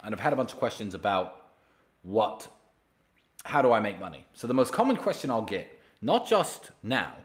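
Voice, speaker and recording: A man hosting a casual solo livestream, answering viewer questions directly and pitching emphatically. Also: big pitch swings, normal speed. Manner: direct, addresses viewers by name.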